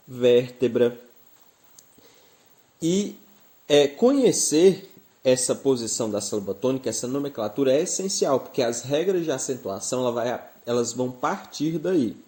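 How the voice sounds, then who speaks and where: A man's voice: mid-range voice, animated, brisk, warm tone. A man with a Brazilian Portuguese accent teaching a grammar lesson, explaining patiently and stressing the example words.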